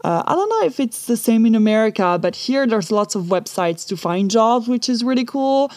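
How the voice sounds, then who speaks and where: A woman's voice: a little high, big pitch swings, normal speed, a little mellow, no echo, clean studio sound. A woman from Paris, hosting a podcast in a casual, rambling way with easy swearing, recorded inside a small clothes closet. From Paris, France. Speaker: podcast host. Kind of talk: casual solo podcast chat. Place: small closet packed with dresses and magazines.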